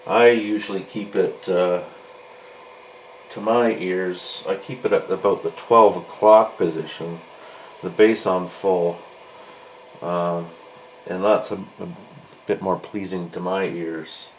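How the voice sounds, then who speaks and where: Man, deep voice, slow halting delivery, casual hobbyist review, mildly grumbling, faint background noise. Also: steady tone, rough recording. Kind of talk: casual unscripted gadget review.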